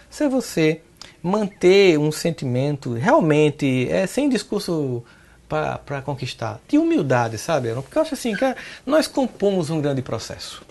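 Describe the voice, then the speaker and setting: A middle-aged man from Paraíba in Brazil, speaking as a psychologist being interviewed, with an animated delivery whose pitch jumps up on emphasis. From Paraíba, Northeast Brazil. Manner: animated, pitch jumping up on emphasis, frequent "né?" and "entende?". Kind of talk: reflective interview talk.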